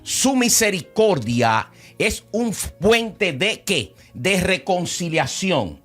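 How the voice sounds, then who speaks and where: A man's voice: high voice, very animated, slow, a bit bright, soft background music. A man co-hosting a Christian program, who introduces the show and teaches on Bible verses with frequent exclamations.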